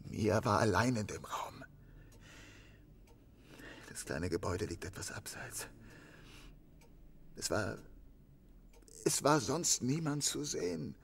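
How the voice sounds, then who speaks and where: A man acting in an audio drama as a distraught innkeeper making a confession, halting and breaking into whispers. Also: on the low side, expressive, vocal fry, slight background noise, full character voice. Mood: anguished, pleading. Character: distraught innkeeper confessing to killing his wife.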